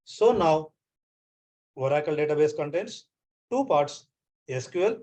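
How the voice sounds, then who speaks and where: Man, Indian accent, online lecture, repeats himself, checks understanding, higher pitch. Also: lively intonation, unhurried, warm tone. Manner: repeats phrases often, checks on students. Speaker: trainer.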